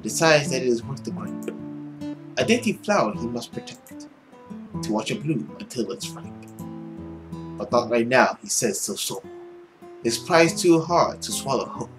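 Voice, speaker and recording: A young man reading a visual novel aloud dramatically, with an expressive, theatrical manner. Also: medium pitch. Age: young adult. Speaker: let's play host. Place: small indoor room at home. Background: music.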